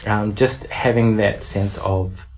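A woman's voice: a bass voice, steady tone, slow, a little mellow, a little hiss or hum, poor audio. A woman speaking as an interview guest, candid and reflective with a playful streak. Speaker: podcast guest, performer and playwright.

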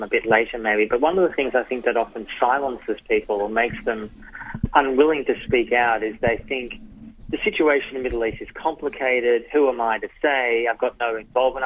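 A man's voice: mid-range voice, fairly even intonation, a little fast, a little hiss or hum. A man, giving thoughtful interview answers in short phrases as a journalist and author. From Australia. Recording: dry tinny phone-line sound.

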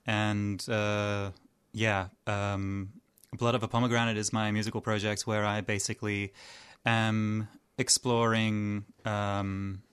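A man from Armenia talks about his music on a community radio show. His low, smooth voice moves slowly and hesitantly, full of ums and restarts. He sounds thoughtful, as if feeling his way through each idea. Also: level tone, fairly bright tone. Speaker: musician guest. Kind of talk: casual radio interview.

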